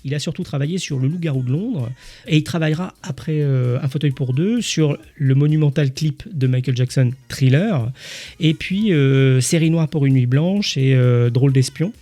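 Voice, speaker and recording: A man's voice: fairly high pitch, normal speed, warm tone. A man co-hosting a film podcast, talking through film craft with lots of hesitations. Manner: hesitant, lots of "euh" and "en fait". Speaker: podcast co-host. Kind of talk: film review discussion.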